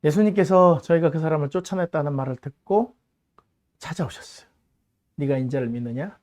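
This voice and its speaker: A pastor delivering a sermon, retelling a Bible story in an animated way and acting out the voices of the people in it. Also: male voice, fairly high pitch, fast.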